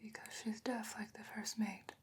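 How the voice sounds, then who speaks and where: A woman playing a calm, thoughtful fantasy sorceress in an ASMR roleplay, speaking in a breathy, measured whisper with deliberate pauses. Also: on the high side. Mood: concerned, probing.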